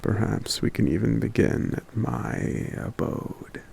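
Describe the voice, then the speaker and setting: Casting: male actor for a gentle forest giant, deep and heavily creaky, musing and intimate, ASMR roleplay. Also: big pitch swings, slight background noise, exaggerated voice. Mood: thoughtful. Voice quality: very deep, gravelly. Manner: slow, musing, hesitant, with soft hums. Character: gentle, contented giant man living in the forest. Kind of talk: ASMR roleplay, soft intimate character monologue.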